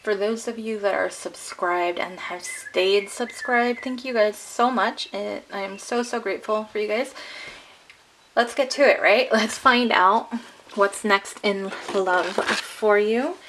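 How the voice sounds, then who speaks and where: A woman's voice: mid-range voice, slow, noisy background. A woman giving a casual tarot card reading to camera, chatty and encouraging, laughing often, her voice a little worn. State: losing her voice. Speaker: tarot reader.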